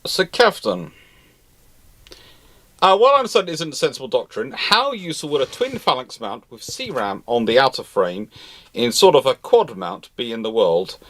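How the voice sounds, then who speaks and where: A man with a mid-pitched voice hosts an off-the-cuff history discussion. He argues his points in a halting way, often correcting himself as he goes. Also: big pitch swings, fairly bright tone. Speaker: live-stream host answering viewer questions.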